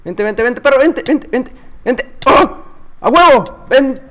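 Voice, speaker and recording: A man with a Mexican accent voicing a naive, boastful little boy, chattering excitedly through comedic gameplay commentary. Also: very high voice, a little slow, heavy background noise. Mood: playful. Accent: Mexican Spanish. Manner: childish, excitable, chattering to himself. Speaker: gamer.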